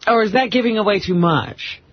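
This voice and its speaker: A woman co-hosting a radio show, chipping in with short bantering questions in a husky voice. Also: mid-range voice, lively intonation, brisk, no room sound. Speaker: radio co-host. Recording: dull lo-fi radio audio.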